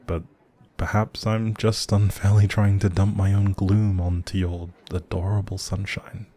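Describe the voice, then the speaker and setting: A man's voice: deep voice, dark tone, slightly rough, full character voice. A man playing a grumpy but secretly sweet young barista in an intimate audio roleplay, speaking straight to the listener in a teasing, wry, bookish way. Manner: teasing, wry, hesitant asides.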